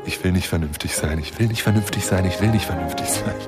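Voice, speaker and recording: A lonely astronomer played by a male actor yearns for love yet mistrusts it in a radio drama. His voice is on the low side and earnest, with music clearly playing behind it. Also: fast talker, natural voice. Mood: desperate longing. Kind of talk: German radio drama acting.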